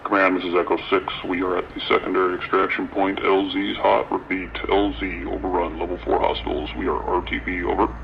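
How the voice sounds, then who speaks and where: An actor playing a cold, disciplined military operative with clipped, terse delivery over a field radio in a radio drama. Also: male voice, deep voice, little pitch movement, fairly quick, creaky, few pauses, muffled recording, a little hiss or hum. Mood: tense, businesslike.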